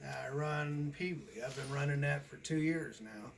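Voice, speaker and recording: A man's voice: fairly high pitch, measured pace, gravelly, a little hiss or hum. An American man in his sixties, a trucker chatting casually in a folksy, rambling way. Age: 60s. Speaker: owner-operator trucker and vlogger. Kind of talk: casual chat on a phone call and to camera.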